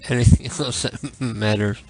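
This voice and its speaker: Slow, drunk man hosting a call-in show. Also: medium pitch, low-quality recording. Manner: rambling, giggly, crude. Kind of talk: casual late-night chat.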